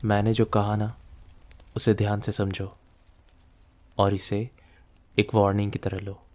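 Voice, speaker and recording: Low, mellow, menacing mafia boss played by a man. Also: flat delivery, lightly acted. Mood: stern warning. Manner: slow, threatening, teasing, possessive. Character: possessive, menacing male mafia boss, controlling lover. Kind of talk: intimate ASMR roleplay addressed to the listener.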